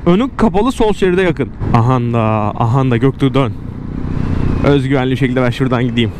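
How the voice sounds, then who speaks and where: A man's voice: medium pitch, fairly quick. A man chats casually to viewers in slangy, joking running commentary, speaking into a helmet mic while riding a motorcycle. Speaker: motorcycle vlogger. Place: outdoors on a moving motorcycle in city traffic. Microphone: close helmet microphone. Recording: clear engine, wind and traffic noise. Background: motorbike and city traffic noise.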